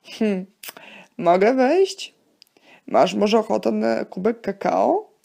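A gentle, wise dad in a children's audio story, played by a woman, patiently teaching his boy. The voice has heavy creak and a husky grain, with earnest delivery. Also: mid-range voice, lively intonation, takes it slowly, heavily acted. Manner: patient, explaining.

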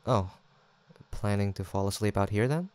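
Low-voiced, easygoing young male roommate played by an actor. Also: normal speed, a little mellow, smooth, lightly acted. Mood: gentle, shyly caring. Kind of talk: intimate roleplay audio drama, casual chat.

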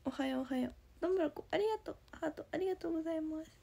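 Young woman, high bright voice, chirpy casual livestream chat, sleepless, phone mic. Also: very fast, gravelly. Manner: chirpy, thanks viewers often, drops into soft whispers. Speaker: idol trainee livestreamer. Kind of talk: casual livestream chat reading viewer comments. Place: indoors at home.

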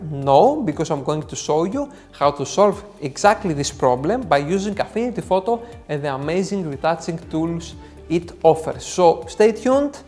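A man's voice: fairly high pitch, darkish tone. A man in his thirties with a Greek accent hosts a photo-editing tutorial, talking in a jokey, self-deprecating way with theatrical emphasis. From Greece. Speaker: tutorial host.

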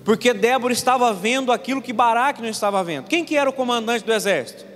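A young Brazilian pastor from Paraná with a notably high voice delivers his sermon, weaving personal stories together with rhetorical questions to the congregation. His voice carries a long reverb through the church, with a faint murmur of room ambience behind it. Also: fast talker, a bit bright, slight background noise. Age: 20s. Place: church sanctuary.

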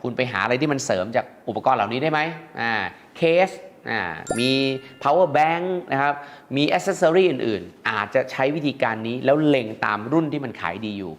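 A man's voice: medium pitch, animated, moderate pace, few pauses. Male host, middle-aged, conversational instructor explaining to viewers step by step. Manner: chatty, explaining point by point with polite particles. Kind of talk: educational talk to viewers.

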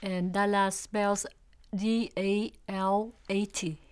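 A woman in her sixties with a Vietnamese accent tells her family story in an interview. She speaks slowly and haltingly, searching for her English words. Her voice is smooth and clear, at a middling pitch. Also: little pitch movement. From South Vietnam. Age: 60s. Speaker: oral history interviewee. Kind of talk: recalling family history in an interview. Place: indoor studio with backdrop.

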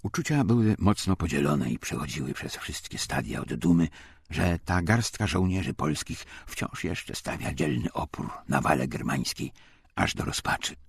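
A man with a gravelly, husky voice reading a wartime memoir as dramatic scripted narration. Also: very deep voice, no echo. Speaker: audiobook narrator.

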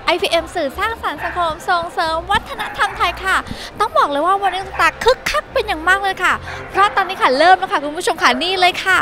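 A woman's voice: extremely high pitch, quick pace, hardly any pauses, background noise. A young woman reporting bubbly and upbeat from a busy indoor expo hall into a handheld mic. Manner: upbeat, bubbly presenter chatter. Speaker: entertainment show reporter. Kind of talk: on-location event report.

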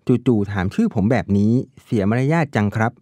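A man playing a smooth, glib young liar. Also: medium pitch, sing-song, moderate pace, mellow, no room sound, natural voice. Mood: mildly annoyed.

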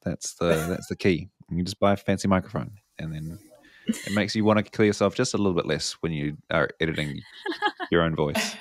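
A male podcast host with a fairly low voice, easygoing and rambling, full of ums and restarts as he circles a question. The sound is close and dry. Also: fairly quick, no echo. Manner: rambling, hesitant, relaxed. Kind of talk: casual podcast chat.

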